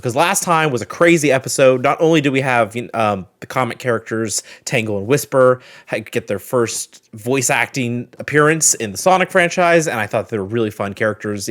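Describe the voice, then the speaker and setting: A man hosting a reaction video with casual, rambling commentary. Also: mid-range voice.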